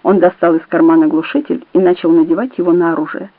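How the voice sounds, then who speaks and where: A woman reading an audiobook in a measured, even narrating voice. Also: lowish voice, no room sound. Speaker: audiobook reader. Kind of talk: scripted narration. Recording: dry, tinny phone-like audio.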